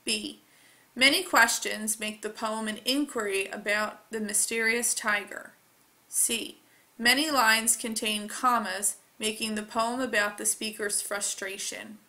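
A woman with a very bright, fairly high voice reads test questions aloud like a teacher. She goes slowly and deliberately, pronouncing each phrase with care. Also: fairly even intonation.

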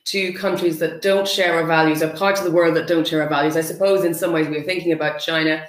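A woman's voice: sits low, steady tone, fast talker. A young woman, a tech reporter, asking probing questions on a video call in a conversational way. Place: home room. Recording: roomy video-call audio.

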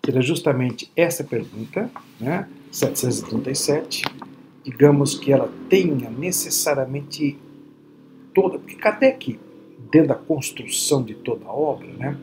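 A man's voice: mid-range voice, lively intonation, normal speed. Man in his sixties, spiritist lecturer, patient and explanatory, webcam audio with light noise. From Brazil. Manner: teacherly, frequent tag questions. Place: home room at night. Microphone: laptop webcam video call.

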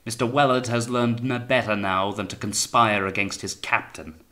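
A man voicing a paranoid, tyrannical naval captain in an audiobook sea story, taunting and accusing, swinging from quiet menace to blaring. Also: lowish voice, flat delivery, normal speed, pitched above the performer's own voice. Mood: sneering, taunting. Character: paranoid, sneering, tyrannical male naval captain, raging and suspicious. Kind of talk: dramatised audiobook reading of sea fiction.

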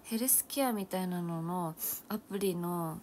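A young woman idol chatting casually on a livestream, answering viewer comments in a soft, often half-whispered, self-mocking way. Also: on the low side, measured pace, slight background noise. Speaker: idol streamer.

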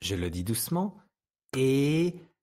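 French guy teaching little kids to read, low voice, super slow and careful. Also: big pitch swings, a little mellow. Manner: patient, speaks words slowly and distinctly. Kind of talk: slow, clear reading lesson for young children.

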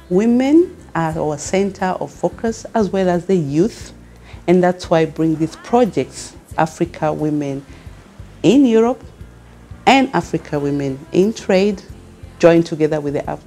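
A middle-aged Kenyan woman with a Kenyan accent, founder and CEO of a women's network, speaks earnestly to camera and asks rousing questions. Her voice is low-pitched and warm. She's indoors in a furnished studio lounge with a fireplace.

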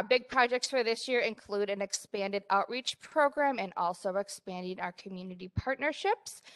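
A woman's voice: medium pitch, fairly bright tone, smooth. A woman, presenting a library report at a board meeting, upbeat with frequent fillers, speaking into a desk mic in a meeting room. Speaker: library director. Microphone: desk mic in front.

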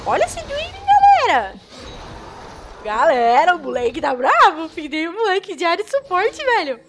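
A young Brazilian woman chatting casually with viewers while streaming a game, with excitable outbursts. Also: very high-pitched, moderate pace, background noise. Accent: Brazilian Portuguese. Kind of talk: casual gameplay commentary.

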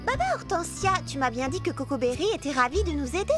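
A kind, tactful little girl in a children's cartoon. The voice is very high and gentle, with music playing clearly underneath. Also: lively intonation, fast talker. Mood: kind, concerned. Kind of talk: French children's cartoon dubbing.

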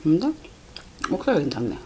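A woman chatting casually to viewers on an eating show at home at night while talking with her mouth full, soft-spoken and sometimes half-whispering. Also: low voice, wildly swooping pitch, very fast, noisy background. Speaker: mukbang creator.

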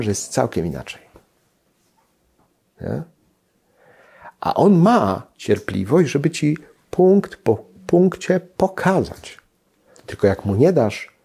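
A man's voice: medium pitch, dark tone, slightly rough. A man, a Dominican friar, giving a storytelling conference sermon in a loose, conversational way, often tagging his sentences with a questioning "right?". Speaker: preacher at a retreat conference.

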